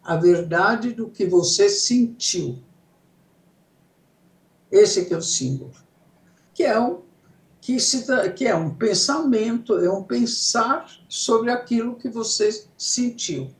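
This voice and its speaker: Brief: older woman from italy, unhurried teacherly explainer, gravelly voice, roomy sound. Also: a little high, expressive. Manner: unhurried, explains in steps, checks in with "certo?". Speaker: psychoanalyst guest. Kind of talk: reflective explanatory interview talk.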